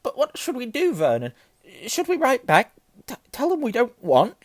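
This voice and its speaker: A man puts on a storybook aunt, middle-aged and easily shocked. The voice is pitched far up, quivering and anxious, in a dry close recording. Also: huge pitch swings, normal speed, no echo, heavily acted.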